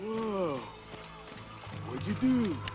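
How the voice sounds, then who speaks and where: A man's high-pitched, cartoonish character voice over clear background music. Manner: hesitant, stammering.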